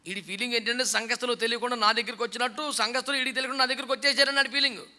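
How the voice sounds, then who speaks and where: Male pastor, fiery sermon delivery, high pitched, piercing edge, scolds and mocks, mimics others. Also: fairly even intonation, racing, pushed and bright. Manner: scolding, mocking, fiery preaching with rhetorical questions; mimics people he quotes.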